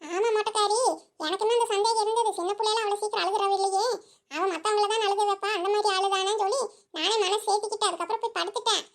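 A woman's voice: extremely high pitch, fairly even intonation, very fast. A woman voicing a nosy, insistent village gossip in a cartoon, talking breathlessly with chuckling asides. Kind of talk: cartoon voice acting.

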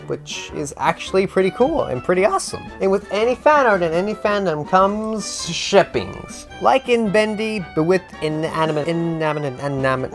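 A young man hosts a comedic scripted commentary, speaking to camera in an exaggerated, mock-dramatic way. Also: high voice. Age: young adult. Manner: animated, exaggerated delivery with mock-dramatic asides. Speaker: YouTube host. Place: indoor room with bare wall. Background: faint music.

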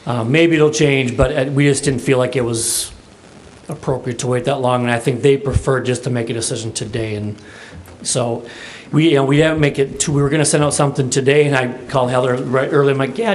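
A man's voice: mid-range voice, slight background noise. A man in his fifties giving an informal report as a school administrator at a podium microphone in a meeting room. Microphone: gooseneck podium microphone.

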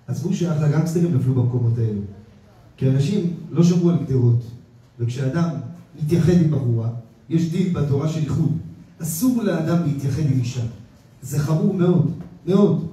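A man's voice: a little high, warm tone. A man giving a religious lecture with stories from his past, emphatic, repeating words and asking rhetorical questions. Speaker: rabbi giving a Torah class. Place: indoor hall at a talk. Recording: echoey room, mic far off.

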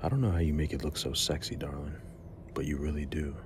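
A man's voice: a bass voice, fast talker, background noise. A man playing a flirtatious, protective spy with a hot temper in an audio drama. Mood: flirty, teasing. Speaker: voice actor in a fan audio drama. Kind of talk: audio drama acting, intimate.

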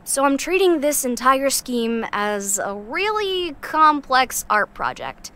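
A woman's voice: high voice, very animated, takes it slowly, bright, forceful tone, heavily acted. An actress playing a guarded, sarcastic young woman who scavenges parts, talking bluntly in an audio drama. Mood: reflective. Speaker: parts sourcer.

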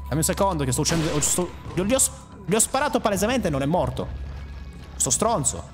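A young man giving let's play commentary over a game, excitable, swearing at and mocking enemies, his voice jumping into sudden high yelps. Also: fast talker, music in the background. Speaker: gaming YouTuber.

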